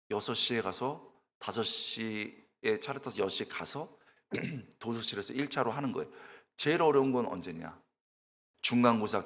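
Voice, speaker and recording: A man's voice: mid-range voice, in a large hall. A middle-aged man preaching a sermon to a congregation, telling stories and asking them questions directly. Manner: storytelling, shouts and wails while acting out his own tearful prayer. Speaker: pastor, guest preacher. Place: church sanctuary.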